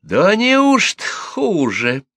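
A man voicing a young, sharp-tongued village woman who answers back defiantly. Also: high voice, wildly swooping pitch, very slow, dry recording, voice pushed up, full character voice.

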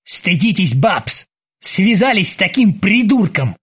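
Guy doing a sarcastic husky captain, dry jokes, lively up and down. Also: high-pitched, measured pace, full character voice. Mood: stern. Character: dry, ironic male ship captain.

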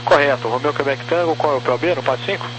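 An air traffic controller with a Brazilian accent gives clipped, procedural clearances, spelling out the digits. His voice is a little high and racing, heard through a noisy, crackly aviation radio transmission with hum.

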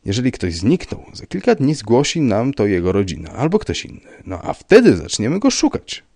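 A man voicing a gruff police commissioner who speaks in a dry, curt, dismissive way. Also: mid-range voice, wildly swooping pitch, normal speed, a little mellow, no echo, voice pushed up, heavily acted. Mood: matter-of-fact. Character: gruff, unbothered middle-aged police commissioner.

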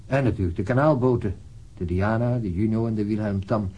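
Casting: male actor as frustrated, matter-of-fact detective for radio crime drama; low, mellow voice with dry delivery. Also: a little fast, natural voice, poor audio. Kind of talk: radio drama acting, naturalistic.

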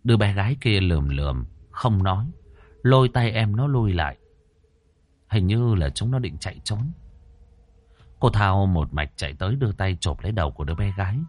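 A man reading a ghost story aloud as a storyteller, in a dramatic, expressive style. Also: on the low side, normal speed. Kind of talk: scripted ghost-story narration.

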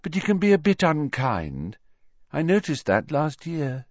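A man's voice: fairly high pitch, very animated, unhurried, a little mellow, dry recording, pitched above the performer's own voice. Luna, a dreamy airy girl, as a man reads her. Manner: airy, sing-song, blunt. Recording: dull dry recording.

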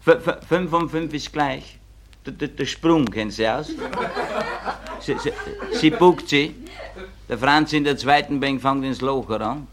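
Man, comedian, heavy stutter on every phrase, mid-pitched, telling jokes. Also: a little slow. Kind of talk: stand-up joke telling.

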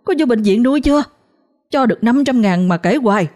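A woman voicing a young daughter who is crying, her voice pitched high and strained with desperation and defiance. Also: expressive, fairly quick, darkish tone, close to an everyday voice. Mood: defiant. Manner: shrill, pleading then defiant.

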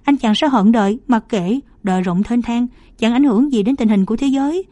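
A woman's voice: on the high side, a little fast, dark tone, no room sound, close to an everyday voice. A woman reading the part of a shy young female medical student who brushes off teasing. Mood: defensive.

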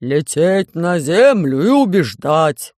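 A reader voicing a huge, hot-tempered alien expedition chief who growls slowly and loudly. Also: medium pitch, very animated, dry recording, studio quality. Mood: gruff shouting. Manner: slow, loud, growling. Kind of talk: audiobook character voice.

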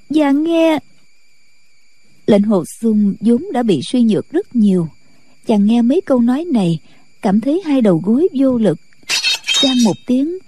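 A woman narrating a martial-arts novel as an audiobook in a steady, measured way. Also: a little high, breathy edge, no echo.

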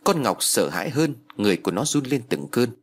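A man narrating a horror story in an expressive storytelling manner. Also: mid-range voice, fairly quick.

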